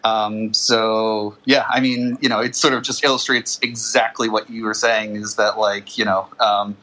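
Bright man full of fillers. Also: fairly low pitch, little pitch movement, unhurried, poor audio. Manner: filler-heavy, um and you know. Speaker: guest founder. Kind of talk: casual conversation.

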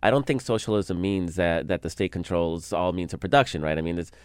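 A man's voice: sits low, fairly quick, smooth, no echo, clean studio sound. A man from El Salvador, a guest and political blogger, talking earnestly in a casual political discussion, often restarting and repeating words.

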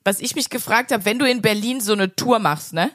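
A woman's voice: mid-range voice, a little fast, fairly bright tone, no echo, studio quality. A young woman co-hosting a podcast, cracking crude jokes in casual chat. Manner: joking, riffing on crude ideas. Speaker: podcast co-host.

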